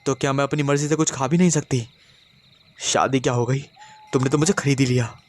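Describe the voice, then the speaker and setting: A man voicing a stubborn young wife, raising his pitch and speaking defiantly. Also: fairly even intonation, brisk, a little mellow, natural voice. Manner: pitched up, defiant, later feigning innocence.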